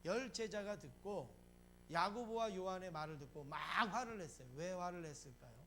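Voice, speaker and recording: A man's voice: high voice, animated, normal speed, pushed and bright, slight background noise. A male pastor preaching a sermon. He asks the congregation questions, answers them himself, and repeats phrases for emphasis. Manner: acts out quoted lines in a raised voice.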